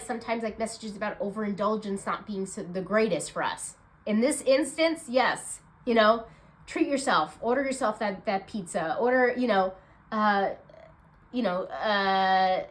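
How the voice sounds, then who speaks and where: A woman doing a casual card reading chat, with a stuffed-up nasal voice. She is bubbly and chatty, uses lots of fillers, and has bursts of excitement. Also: medium pitch. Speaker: intuitive card reader.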